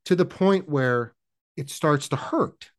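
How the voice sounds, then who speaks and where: A man co-hosting a podcast, telling stories in a dry, deliberate way. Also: on the high side, animated, dry recording. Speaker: podcast co-host. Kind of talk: casual chat.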